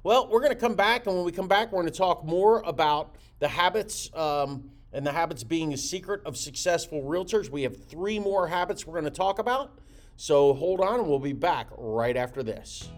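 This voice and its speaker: Energetic man coaching realtors. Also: fairly high pitch, normal speed. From United States. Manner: energetic, repeats words, many fillers. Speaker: real estate coach and show host. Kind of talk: motivational teaching talk.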